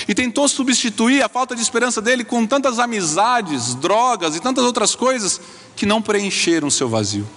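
A man's voice: high voice, fairly bright tone, big-room sound. A young adult man, a Brazilian pastor, preaching a sermon with earnest storytelling that rises to emotional emphasis. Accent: Brazilian Portuguese.

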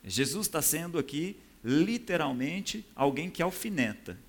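A man's voice: on the high side, sing-song, a little slow. Man preaching a conversational sermon. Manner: conversational, often checks in with the audience. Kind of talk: sermon teaching from scripture.

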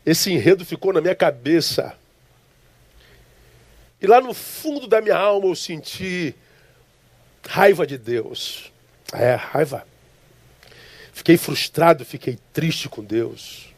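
A man's voice: fairly high pitch, animated, slow pace, long pauses, slightly rough, no echo. A male pastor with an accent from Rio de Janeiro, preaching a sermon and telling a personal story with emotion, repeating words for emphasis. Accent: Brazilian, from Rio de Janeiro. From Rio de Janeiro, Brazil.

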